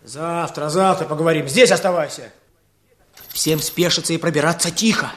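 An actor playing a hot-headed, urgent Red detachment fighter in a Soviet radio drama. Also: male voice, a little high, moderate pace, close to an everyday voice. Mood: cautious. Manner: excitable, urgent, colloquial. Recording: noisy radio play recording with clicks.

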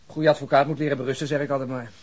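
An actor playing an impatient, sardonic, world-weary police detective in a radio drama, blunt in manner. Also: male voice, medium pitch, little pitch movement, rapid-fire, darkish tone, lightly acted. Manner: blunt, dryly sarcastic.

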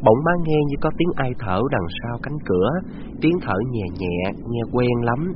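A man, narrating a scripted story in a measured, descriptive way. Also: medium pitch, animated, highs cut off, background noise.

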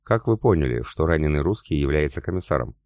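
Male narrator voicing a calculating German officer, deep dry voice, storybook reading. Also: animated, quick pace, darkish tone, dry recording. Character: cool calculating German intelligence officer, man.

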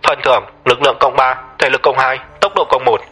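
Cold impersonal male system voice, played by a man, bright and husky, for an audio story. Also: mid-range voice, fairly quick. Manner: flat announcing, cold and impersonal.

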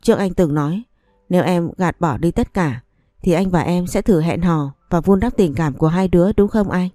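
A woman's voice: fairly low pitch, moderate pace, warm tone, no room sound, faint music behind, lightly acted. A woman reading a story aloud, voicing a scheming young wife who coaxes and pleads with her husband. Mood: pleading. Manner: coaxing and pleading.

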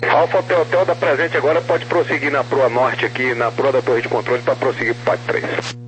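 A man working as a tower controller, giving procedural clearances over aviation radio. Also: mid-range voice, flat delivery, brisk, a bit bright, poor audio. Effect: aviation radio transmission. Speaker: tower air traffic controller. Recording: humming radio with faint noise.

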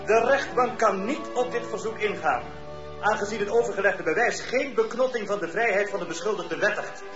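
An actor playing a stern, formal chief magistrate in a radio play. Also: male voice, high-pitched, normal speed, over music, natural voice. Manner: formal, commanding. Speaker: judge. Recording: dull, echoey old radio recording.

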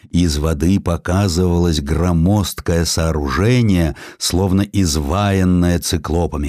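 A man reading a literary story as a dramatic audiobook narrator, deliberate and measured, with weighty pauses. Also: rumbling low, darkish tone, no room sound, clean studio sound. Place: studio.

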